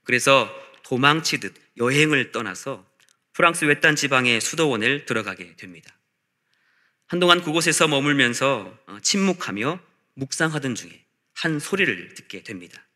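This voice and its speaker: A man preaching a sermon as a pastor, in measured rhetorical phrases with repetition. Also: medium pitch, lively intonation, bright, forceful tone. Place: church service.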